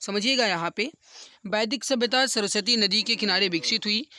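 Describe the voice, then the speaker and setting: A man's voice: high voice, moderate pace, sharp tone. A man explaining quiz questions as an exam coaching teacher, repeating key answers for emphasis.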